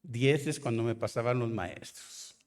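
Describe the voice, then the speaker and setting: A man's voice: medium pitch, a little slow, darkish tone. A Mexican man, a pastor, preaching and telling his conversion story, acting out his younger self in quoted speech. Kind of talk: sermon testimony. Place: large church hall. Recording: long hall reverb.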